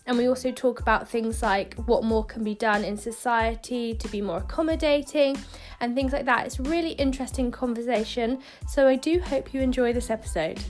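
A woman's voice: fairly high pitch, steady tone, brisk, soft background music. A woman hosting a podcast, asking friendly, long questions full of fillers. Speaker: podcast host. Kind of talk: podcast interview.

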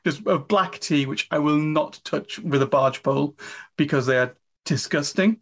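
A woman's voice: sits low, moderate pace. A woman, an author talking as a guest in a casual interview, chatty and enthusiastic with a self-deprecating streak. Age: 50s.

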